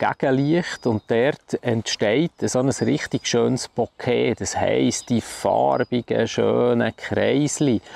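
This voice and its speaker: A man speaks with a Swiss accent and ordinary pitch variation. The sound is dry and close, with no echo. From Switzerland. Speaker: photographer. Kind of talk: photography tutorial talk to camera. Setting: outdoors in a forest. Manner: casual, friendly.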